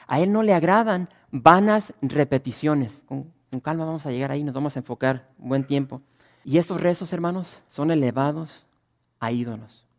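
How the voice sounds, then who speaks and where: A male pastor delivers a sermon in a fairly high voice. He swings between loud, emphatic swells and hushed, quiet stretches.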